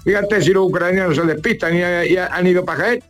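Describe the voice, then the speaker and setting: Male, high-pitched. Colloquial comic grumbler, rambling and repetitive. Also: fairly quick, soft background music. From La Mancha, Spain. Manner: rambling, colloquial, repeats rhetorical questions. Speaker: regular radio contributor nicknamed as a judge.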